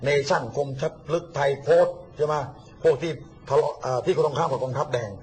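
A man's voice: fairly high pitch, darkish tone, a little hiss or hum. A man talking politics in a casual, blunt, mocking way, acting out what others said. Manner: rapid, blunt, mocking, acts out quotes. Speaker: guest speaker on politics and the army.

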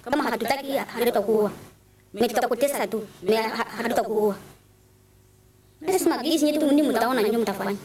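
Distressed woman testifying quickly, roomy and distant. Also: a little high, darkish tone. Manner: rapid, stammering, distressed. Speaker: witness.

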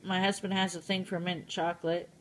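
A woman's voice: fairly low pitch, little pitch movement, fairly quick. A woman vlogger, just woken up, rambling casually through a tea haul. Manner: rambling, giggly, playful. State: just woke up, groggy. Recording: noisy home video.

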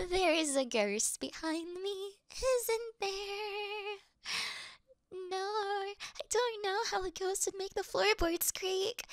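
Woman playing a high-pitched, clumsy girl thief. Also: fairly bright tone, no room sound, clean studio sound, heavily acted. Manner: flustered, stammering, pouty. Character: clumsy, easily scared young female dungeon thief acting tough. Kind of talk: ASMR roleplay acting.

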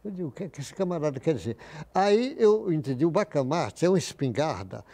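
A man's voice: on the high side, very animated, fairly quick, warm tone. An older man casually telling stories from his work as a doctor in an interview, acting out the voices of people in them. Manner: anecdotal, acts out quoted voices.

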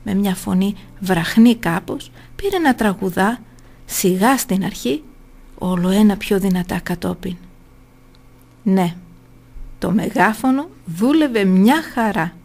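A woman reading a story aloud for radio in a calm, steady way. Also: mid-range voice, vocal fry.

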